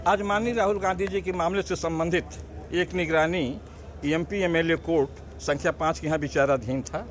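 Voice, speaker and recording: Man, lawyer at a press statement: formal, explanatory, a bit higher pitch, with faint street noise. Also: steady tone, normal speed. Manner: formal, explains the court ruling step by step.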